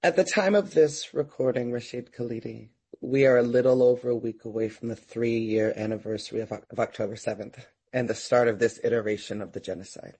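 A man with a husky voice asks an interview question at a middling pitch. He restarts and gropes for the right phrasing as he goes. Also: fairly even intonation, warm tone. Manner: halting, searching for words.

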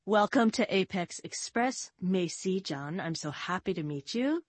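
Woman, radio host, husky, lowish pitch, friendly, measured, dry. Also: lively intonation, no echo. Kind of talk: hosting an interview.

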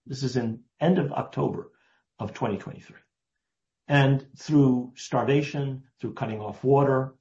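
A man, giving a guest's long answers in an interview, deliberate and emphatic, stressing key words. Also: mid-range voice, darkish tone. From United States. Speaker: guest historian. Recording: roomy, dull lo-fi sound.

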